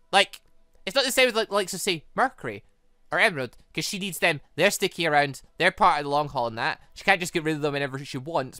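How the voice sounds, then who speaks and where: Gaming host, very lively swooping pitch, bright tone, casual rambling commentary, close dry sound. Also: dry recording.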